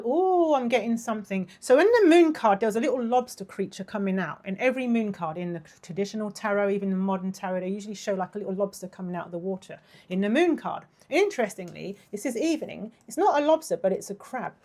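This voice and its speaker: A woman in her thirties gives a casual tarot reading, gushing and affectionate and laughing often. Her mid-range voice is a little mellow, but it sounds worn and is partly lost as she goes.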